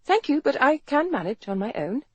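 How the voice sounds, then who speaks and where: A woman voicing an independent young Victorian woman doctor who speaks crisply and guardedly. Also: high-pitched, sing-song, moderate pace, no echo, voice pushed up.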